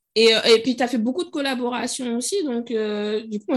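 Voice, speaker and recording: At a fairly quick pace, a woman speaks in a plain, everyday voice with a fairly high pitch. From Guadeloupe. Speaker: podcast host. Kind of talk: interview; scripted narration.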